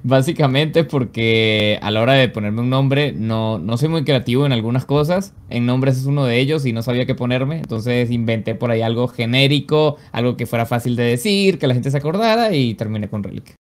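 A man's voice: medium pitch, a little fast, few pauses. Venezuelan male, 25, easygoing interview guest on a headset, chatty fillers. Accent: Venezuelan Spanish. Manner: relaxed storytelling, frequent "básicamente" and "o sea". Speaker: guest, esports caster and pro player. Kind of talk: casual interview over video call. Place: small home streaming room. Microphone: headset on video call.

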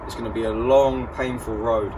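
A young man delivering a menacing, deliberate wrestling promo outdoors, picked up by a camera a little way off. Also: mid-range voice, steady tone. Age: young adult. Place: outdoors in a back garden. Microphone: camera a few metres away. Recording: distant mic, noisy outdoor ambience.

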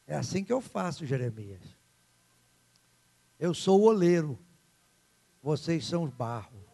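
A man voicing God as a calm, solemn male deity, speaking slowly and deliberately in a lowered voice during a sermon. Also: gravelly, full character voice.

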